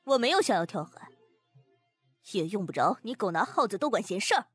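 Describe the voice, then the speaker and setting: An actress playing a hostile, suspicious, sharp-tongued woman, curt and scolding, in a dramatized audiobook. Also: medium pitch, big pitch swings, fairly quick, husky, soft background music. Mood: cold, curt.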